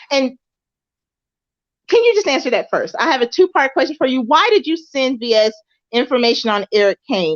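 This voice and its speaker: A woman talks at a moderate pace with long, frequent pauses, in a strong Memphis accent. Her pitch is high with very wide swings, and the sound is dry and close with no echo. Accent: Southern Memphis accent, strong. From Memphis, Tennessee. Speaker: interviewer. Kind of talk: interview.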